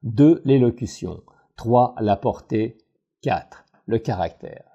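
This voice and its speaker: Dark-voiced male voice coach. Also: medium pitch, slightly rough, muffled recording. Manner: measured, analytical, expressive phrasing. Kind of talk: scripted voice-over analysis.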